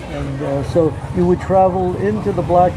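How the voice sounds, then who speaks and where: With noticeable background noise behind him, a man talks in an American accent. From United States. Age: 80s+. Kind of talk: interview answer. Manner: hesitant, many fillers.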